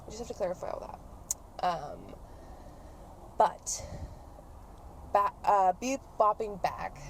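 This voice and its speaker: A woman's voice: medium pitch, sing-song, slow pace. Playful woman podcasting over car noise. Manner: playful, slangy, swears casually. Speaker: podcast host and ASMR creator. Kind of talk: casual podcast chat in a car. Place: inside a car on the road. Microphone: podcast microphones, portable. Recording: clear car and road noise.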